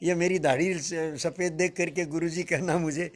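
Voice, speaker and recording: A man in his seventies, a spiritual teacher giving an unhurried, reflective discourse to his listeners, addressing them as friends and chuckling now and then. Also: fairly high pitch, fairly even intonation. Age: 70s.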